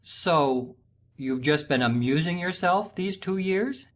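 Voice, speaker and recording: A woman voicing a proud young man whose proposal was refused, speaking low and bitterly. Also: lively intonation, slow. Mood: stunned.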